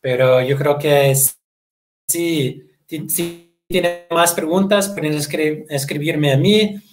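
A man's voice: fairly high pitch, slow. Hesitant man answering on a video call. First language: Portuguese. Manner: hesitant, repeats words, frequent tag questions. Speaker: guest presenter. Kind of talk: webinar Q&A answers. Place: home room, indoors.

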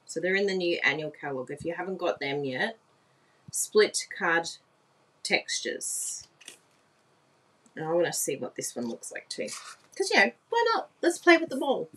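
A woman's voice: fairly low pitch, big pitch swings, moderate pace, pauses often, fairly bright tone, slightly rough, rough recording. A woman, chatting through a live craft demonstration, exclaiming and laughing often and asking viewers if they agree. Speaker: papercraft demonstrator. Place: indoor craft room at a desk.

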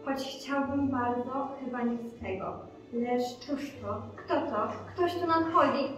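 A young woman playing a kind little boy devil, soft pleading rhyme, high voice, far off in an echoey hall. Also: measured pace, soft background music. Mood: gentle. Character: small timid good-hearted boy devil.

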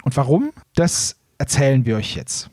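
Casting: male podcast host, casual, mid pitch, husky, dry sound. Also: very animated, moderate pace, a little mellow, dry recording.

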